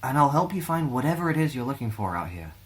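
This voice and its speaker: A man's voice: mid-range voice, sing-song, fast, pitched above the performer's own voice, natural voice. Man reading as kind, reassuring young girl. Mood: gentle, supportive. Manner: gentle, encouraging. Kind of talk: children's storybook read aloud.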